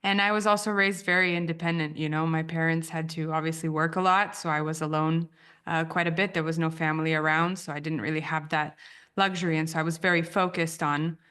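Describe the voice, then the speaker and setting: A woman in her thirties, from Romania and raised in the US, is a branding editor guesting on a podcast. She tells her story thoughtfully and often restarts phrases in this reflective interview. Her voice sits low, clear and resonant, fairly bright and level, and a little fast.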